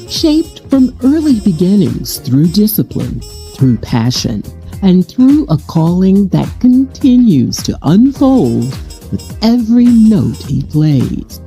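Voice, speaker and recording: A woman reading a scripted show intro and promo in a measured, hushed way. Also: low-pitched. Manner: slow, measured, hushed delivery. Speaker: host. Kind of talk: scripted narration.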